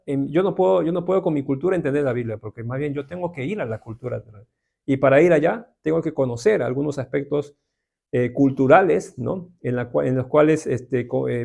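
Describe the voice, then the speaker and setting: His voice is warm, gravelly and mid-range as this man from Peru, speaking with a Peruvian Spanish accent, teaches a casual Bible class. He keeps the tone conversational, tossing plenty of tag questions to the people listening.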